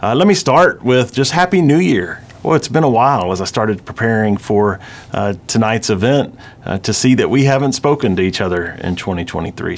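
A man is speaking. His pace is fairly quick. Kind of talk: public address update. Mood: warm, upbeat. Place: studio.

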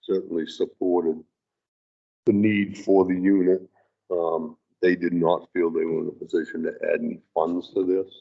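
A man is speaking. His pace is moderate. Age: 60s. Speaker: fire chief. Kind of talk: public meeting presentation. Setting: town meeting hall. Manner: halting.

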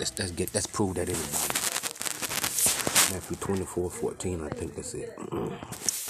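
Through loud background noise, a man with an American accent and a very deep, low pitch is heard in a dry sound with no echo. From US. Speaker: street preacher. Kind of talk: sermon. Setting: outdoors street ministry, livestreamed. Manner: emphatic, repetitive preaching delivery with scripture quoting. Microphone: phone near.

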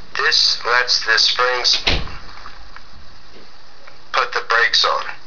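A man at a very slow pace, with light background noise. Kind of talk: reading aloud from a manual.

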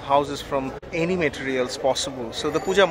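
A man talks at a moderate pace in a dry sound with no echo, with noticeable background noise behind him. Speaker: travel vlogger. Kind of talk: casual vlog chat. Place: street. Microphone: phone near.

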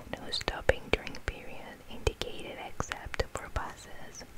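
A soft-spoken whisper at a fairly slow pace over loud background noise. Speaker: reader. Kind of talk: soft reading aloud, ASMR-like. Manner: soft ASMR whisper, reading aloud.

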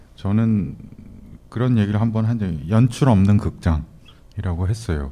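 His voice is a man's fairly low pitch with a dark, mellow tone. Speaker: sound artist; artist on panel. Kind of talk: panel talk. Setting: stage with audience. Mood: calm, reflective. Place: hall. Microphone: podium.

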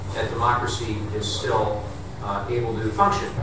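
A man's voice comes with strong room echo. Noticeable background noise runs underneath. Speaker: politician at town hall. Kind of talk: public speech. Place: hall. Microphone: podium.

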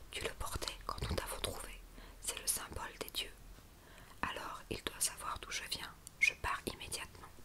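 A woman whispers at a fairly slow pace, with long, frequent pauses throughout. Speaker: ASMR video creator. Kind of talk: whispered reading of character dialogue in a storybook. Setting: studio microphone, binaural recording. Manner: whispered, soft, slow. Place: home room. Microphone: studio mic.

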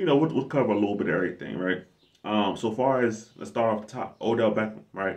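Very fast and fairly low-pitched, a man delivers his words. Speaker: sports fan channel host. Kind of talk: commentary. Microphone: webcam.

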